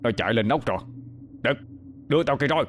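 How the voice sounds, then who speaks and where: A man's voice: mid-range voice, lively intonation, fast, a bit bright, a little hiss or hum, voice pushed up, natural voice. A man voicing a bold middle-aged exorcist master who barks orders and chants spells. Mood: commanding.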